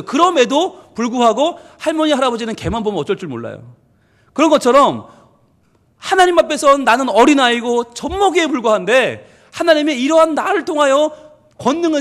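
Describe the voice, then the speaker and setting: A man's voice: very high voice, a bit bright, in a large hall. A male pastor giving an emphatic, conversational sermon with playful asides, recorded in a church.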